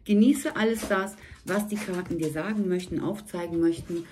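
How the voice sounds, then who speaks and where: A woman with a slightly hoarse voice gives a monthly tarot reading at a table indoors. She speaks to the viewer in a warm, reassuring way. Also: lowish voice, normal speed, soft background music. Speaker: tarot reader.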